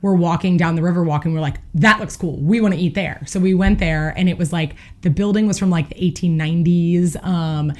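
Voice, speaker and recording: A woman, co-hosting a podcast, her voice hoarse, telling stories in a chatty way with lots of fillers. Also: lowish voice, fairly quick, hardly any pauses, a little mellow. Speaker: podcast co-host. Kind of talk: casual chat.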